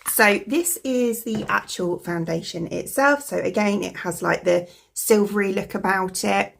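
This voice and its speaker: A woman with a croaky voice from a cold, chatting casually as a beauty vlogger, rambling with lots of fillers. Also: mid-range voice, measured pace, a bit bright, a little hiss or hum. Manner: rambling, full of fillers like "like" and "you know". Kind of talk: chatty product review.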